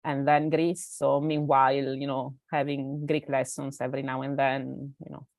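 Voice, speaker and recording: A woman's voice: very deep voice, level tone, normal speed, vocal fry, a little mellow, dry recording. A woman from Italy, a native Italian speaker with an Italian accent, chatting as an interview guest, hesitant with many fillers and restarts. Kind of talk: casual interview chat.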